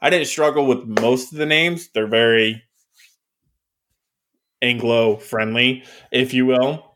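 Male podcast host, mid-pitched, hesitant and thoughtful, asks questions. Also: fairly even intonation, slow, a bit bright. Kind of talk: casual chat.

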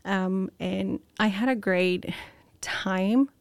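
A woman's voice: medium pitch, drawn-out words, gravelly, no room sound. An American woman, a nurse, telling her personal story as an interview guest, reflective and candid, with many ums and restarts. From United States.

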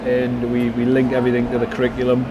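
A man's voice: mid-range voice, monotone, fast talker, lo-fi sound, noisy background. A man speaking as a performance coach in an interview, explaining things conversationally and circling back with frequent "you know".

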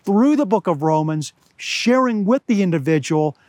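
Older guy preaching outside, kinda hoarse, high voice, slow and earnest on the big words, dry close sound. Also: expressive, darkish tone, no echo. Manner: earnest, deliberate, slows to stress words. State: slightly hoarse. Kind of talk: outdoor sermon. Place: outdoors among pine trees at high altitude.

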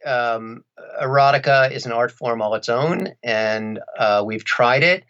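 A man's voice: medium pitch, unhurried, fairly bright tone, dull audio. A man speaking as an interview guest in a thoughtful conversation, choosing his words carefully and rather formally. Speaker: audiobook narrator, podcast guest.

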